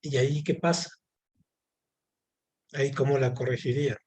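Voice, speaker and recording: A man's voice: medium pitch, little pitch movement, normal speed, a little mellow. A man teaching a class, asking students questions and explaining patiently with many fillers. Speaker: Spanish teacher. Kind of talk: online class lesson.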